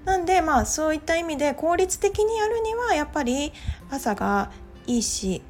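A Japanese woman hosts her own podcast, talking casually in a casual monologue over soft background music. Her voice is high and animated at a normal speed, and she's chatty, dropping in plenty of filler "well"s.

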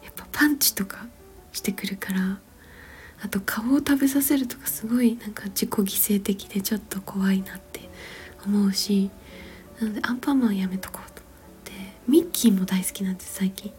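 A woman in her thirties talks almost entirely in a soft whisper, unhurried and gentle as she rambles along. Her voice has a mellow, dark tone. A quiet bed of music sits faintly behind her. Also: mid-range voice. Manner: gentle, rambling, with frequent fillers and soft laughs. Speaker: mother. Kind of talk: whispered casual storytelling.

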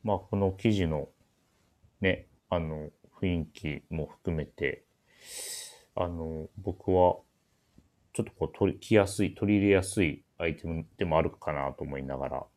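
Guy with a really deep voice hosting a clothing shop radio show, polite, kinda hesitant. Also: a little slow, a little mellow. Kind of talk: casual radio-style talk introducing clothes.

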